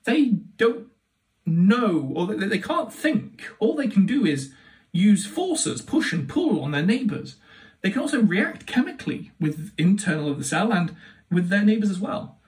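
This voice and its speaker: A man's voice: sits high, sing-song, a little slow, distant mic. A man speaking as a university lecturer, explaining in an enthusiastic, emphatic and conversational way. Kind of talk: explanatory academic talk.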